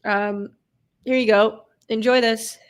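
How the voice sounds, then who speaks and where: A woman with a fairly high, smooth voice speaks slowly and steadily while streaming a football game, her nose stuffy from a cold. She offers casual live play-by-play, reads and answers chat, stays chatty and swears casually, all on a desk streaming microphone.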